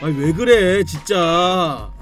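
A man's voice: high-pitched, lively intonation, slow. A man doing live game commentary as a streamer, theatrical and exclamatory, playfully addressing his viewers. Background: game music.

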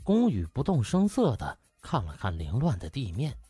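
A man reads an audiobook as dramatic scripted narration. His voice is husky with very lively pitch movement, recorded dry over faint music. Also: normal speed, no room sound.

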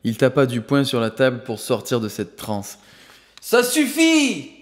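Male audiobook narrator, steady and even, mid-pitched, long reverb. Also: normal speed. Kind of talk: scripted narration.

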